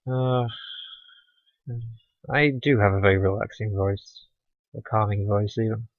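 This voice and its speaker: A man's voice: lowish voice, steady tone, a little slow, no room sound, phone-quality sound. A man giving casual, chatty commentary while streaming a game, with sarcastic asides.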